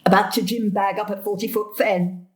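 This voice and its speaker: A woman playing a sharp, gloomy elderly grandmother in an audio drama, blunt and querulous. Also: mid-range voice, fairly even intonation, moderate pace, lightly acted. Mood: indignant. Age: older. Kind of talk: stage-thriller audio drama acting.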